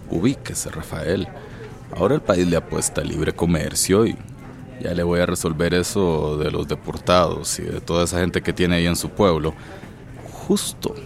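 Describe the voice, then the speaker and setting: An actor playing a condescending government minister who brushes off complaints, in a radio drama. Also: male voice, a bass voice, creaky. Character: dismissive middle-aged male government minister.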